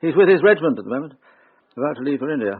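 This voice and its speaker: A stiff but pleading older country gentleman, formal and restrained, with a husky, breathy voice. Heard over a tinny, phone-like radio broadcast. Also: on the high side, expressive, very fast. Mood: earnest. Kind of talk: radio drama acting.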